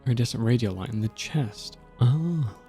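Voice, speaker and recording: A man casually commenting on a video game as he plays, reacting in a relaxed, amused way. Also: mid-range voice, moderate pace. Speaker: streamer. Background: game music.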